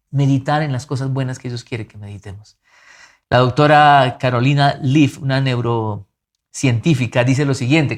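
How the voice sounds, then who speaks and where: A man preaching a sermon as pastor, earnest and emphatic, swinging from lively rises to soft, quiet drops. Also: medium pitch.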